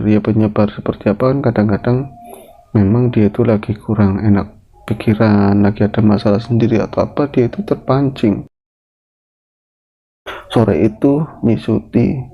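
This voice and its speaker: Gravelly-voiced male horror storyteller. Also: on the low side, dark tone, slight background noise. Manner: chatty, loose, filler-heavy. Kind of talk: casual spoken horror storytelling. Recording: dull lo-fi recording.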